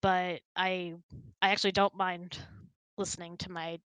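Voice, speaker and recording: A woman's voice: on the low side, flat delivery, unhurried, a bit bright, smooth, no echo, muffled recording. A woman chatting casually and candidly as host of an online hangout, often dropping "like" into her sentences. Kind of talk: casual chat with spouse.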